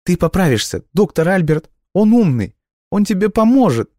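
A man's voice: high voice, very animated, moderate pace, warm tone, dry recording, clean studio sound, pitched above the performer's own voice. A man voicing a frightened young girl who pleads tearfully. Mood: desperate, pleading.

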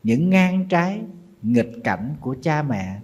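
A man's voice: on the high side, big pitch swings, takes it slowly, a little mellow, breathy edge. A middle-aged man, a Buddhist monk with a Southern Vietnamese accent, telling a sad story in a sermon and speaking straight to his listeners. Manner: mournful storytelling, calls himself teacher and addresses listeners directly.

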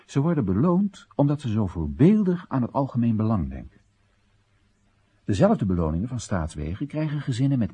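A low, very husky, mellow voice playing a dutiful young man in a radio monologue. He is earnest and explanatory, with emphatic, widely moving intonation. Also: heavily acted.

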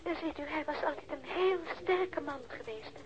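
A woman's voice: high voice, normal speed, close to an everyday voice. An actress playing a recently widowed woman in a radio play, subdued and polite, explaining things with some hesitation. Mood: wistful. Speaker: radio drama actor. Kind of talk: radio play acting, dialogue. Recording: dull band-limited radio drama audio.

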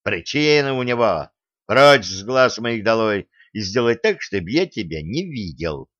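A man voicing a hot-tempered older male fencing coach who scolds loudly in an audiobook reading. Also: on the low side, very animated, a little slow, no room sound, muffled recording. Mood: exasperated. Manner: scolding, loud, exasperated.

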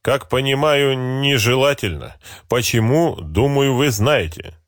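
A man voicing a cheerful, heavy-set older army officer who says each word slowly and deliberately. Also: mid-range voice, animated, no room sound, studio quality, pitched above the performer's own voice, natural voice. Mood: cordial, businesslike. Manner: friendly, brisk, matter-of-fact.

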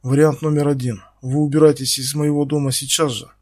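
A man voicing a wealthy middle-aged boss with a cold, mocking, unhurried manner. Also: a little high, level tone, darkish tone, no room sound, clean studio sound, lightly acted. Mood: sardonic. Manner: sardonic, unhurried.

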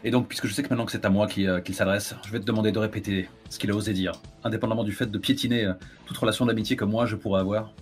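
A man's voice: on the low side, fairly even intonation, rapid-fire, hardly any pauses, faint music behind. A man playing a tabletop role-playing game, chatting casually and slipping into his character's lines.

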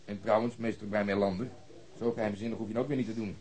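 An actor playing a bossy, sarcastic police detective in a radio play, blunt and coarse in manner. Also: male voice, lowish voice, little pitch movement, racing, a little mellow, close to an everyday voice, rough recording.

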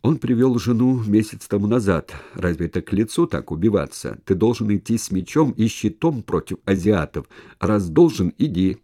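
A man's voice: low voice, mellow. A man voicing a tall stuttering man past middle age who stumbles over his words, in an audiobook. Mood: urging. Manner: heavy stutter, slow halting speech.

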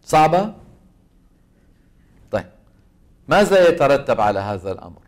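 A man's voice: medium pitch, very animated, moderate pace. A man with a Levantine Arabic accent teaching a tajweed class. He asks his students questions, answers them himself, and says the sounds aloud to show them. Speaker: Quran recitation teacher.

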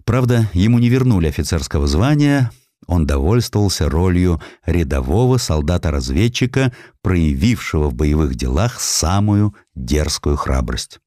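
A man reading a scripted historical sketch as an audiobook narrator, in an expressive, dramatic storytelling manner. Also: deep voice, moderate pace, no room sound, studio quality. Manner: expressive storytelling, acting out quoted speech.

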